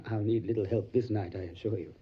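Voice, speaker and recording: An actor playing a courteous solicitor in an audio drama, speaking in a measured, formal way. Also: male voice, lowish voice, fairly even intonation, husky. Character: courteous English solicitor recounting his journey to Transylvania. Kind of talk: audio drama narration and dialogue. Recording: dull lo-fi audio with music behind. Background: music.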